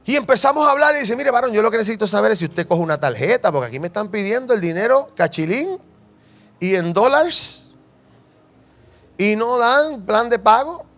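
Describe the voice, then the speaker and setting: A man's voice: sits high, normal speed. A Puerto Rican man, a pastor, telling a personal testimony in a sermon and asking the congregation questions. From Puerto Rico. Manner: animated storytelling, asks the congregation questions.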